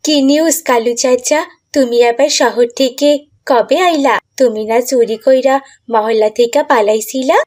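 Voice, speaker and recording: Lady doing an excitable cartoon village kid, bangladeshi accent, high voice, lots of questions. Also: measured pace. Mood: curious. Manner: exclaiming, questioning. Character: excitable, alarmed village child playing football. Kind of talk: cartoon character acting.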